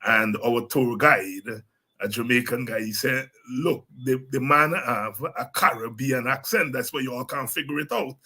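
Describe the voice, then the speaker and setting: A man's voice: medium pitch, unhurried, pushed and bright. A middle-aged man with a Guyanese accent, hosting a podcast in a casual, rambling monologue full of ums and repeated words. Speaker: podcast host.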